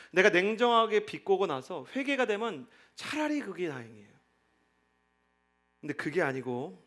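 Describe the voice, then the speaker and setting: A male pastor with a fairly high voice preaching to a young adult congregation. He talks in an easy, chatty way and keeps turning to the listeners with questions. He leads them in reading scripture aloud together. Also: a bit bright. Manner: conversational, asks the congregation questions.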